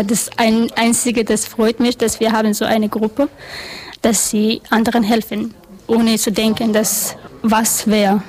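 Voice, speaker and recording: A woman's voice: a little high, darkish tone, poor audio. A woman who volunteers as an interpreter, speaking hesitant non-native German with many fillers. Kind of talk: interview statement.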